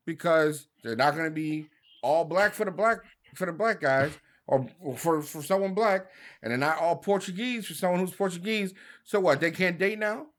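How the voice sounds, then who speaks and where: A man's voice: high-pitched, moderate pace, a bit bright. A man, a father, arguing his point in a casual podcast discussion through a string of emphatic rhetorical questions. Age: adult father.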